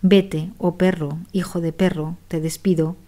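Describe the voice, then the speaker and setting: A woman's voice: lowish voice, level tone, measured pace, warm tone, natural voice. A woman voicing an older merchant who curses and threatens his slave in an audiobook tale. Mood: furious. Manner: cursing, threatening. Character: furious rich merchant master, older man.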